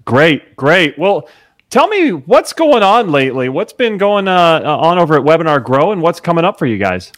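A man's voice: fairly high pitch, big pitch swings, normal speed, fairly bright tone, dry recording, studio quality. A man hosting a podcast interview, upbeat and enthusiastic as he asks his guest questions. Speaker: podcast host.

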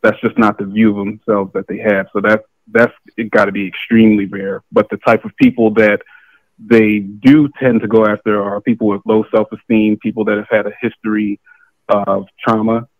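A man, a guest, calmly explaining his views on a call, with halting fillers as he thinks. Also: on the low side, no echo. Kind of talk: casual discussion on a call. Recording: tinny phone line.

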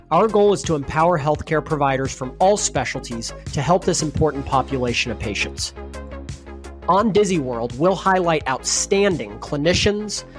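A man reading a formal scripted introduction in a measured way. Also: fairly high pitch. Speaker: show introduction announcer. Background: faint music.

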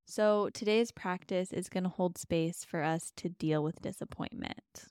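A woman with a slightly low, smooth voice guides a mindfulness practice. She speaks softly and gently, leaving space between soothing instructions. The sound is clean and dry, close and clear. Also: dry recording. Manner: gentle, slow, spacious instructions with long pauses. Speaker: meditation podcast host and guide. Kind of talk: soft, soothing guided meditation.

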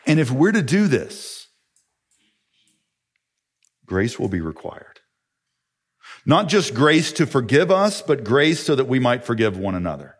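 A man delivers an earnest sermon in a voice of middling pitch for a man. He presses his points emphatically and poses rhetorical questions to the congregation. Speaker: pastor.

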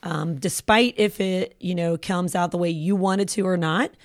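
Middle-aged woman, raspy low voice still recovering, casual radio co-host. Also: steady tone, normal speed. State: recovering from lost voice.

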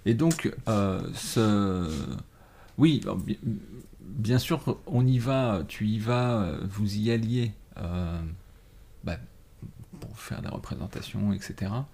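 A man interviewing in a casual chat, hesitant and halting as he searches for his words. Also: on the low side, creaky, mellow.

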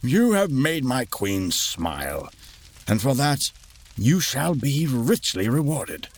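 A man's voice: medium pitch, big pitch swings, takes it slowly, pitched above the performer's own voice, full character voice. A man voicing a blustering, incredulous but generous king in a storybook tale.

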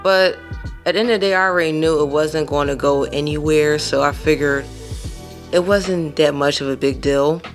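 A woman's voice: sits low, normal speed, faint music behind. Chatty woman in her thirties telling a story. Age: 30s. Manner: chatty, animated, emphatic asides to listeners. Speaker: podcast host. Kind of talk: casual storytelling monologue.

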